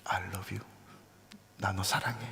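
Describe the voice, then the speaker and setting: A middle-aged man preaching a sermon as pastor, telling stories, acting out voices and dropping at times to a soft whisper. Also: low-pitched, flat delivery, slow, vocal fry. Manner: storytelling, acts out voices, drops to soft whispers. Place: church sanctuary. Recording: reverberant church hall.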